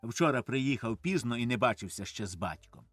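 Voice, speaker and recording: A man's voice: medium pitch, expressive, brisk, a bit bright, no room sound, soft background music, pitched below the performer's own voice. A man reading the part of a farmer's son who tells things plainly and matter-of-factly, in an audiobook of a stage play.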